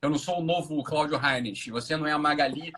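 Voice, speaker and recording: A man hosting a casual live-stream conversation with a Brazilian Portuguese accent, animated, jumping into silly voices to make his point. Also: a little high, fast, slight background noise. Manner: animated, acts out silly voices mid-explanation. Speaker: host.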